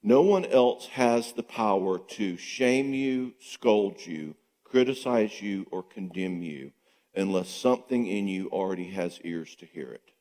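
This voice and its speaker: Older man teaching in a reverberant church. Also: unhurried. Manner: animated, asks rhetorical questions and acts out quotes in higher voices. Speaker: psychologist speaking at a marriage conference. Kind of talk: conference talk to a church audience. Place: church sanctuary. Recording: long church hall reverb.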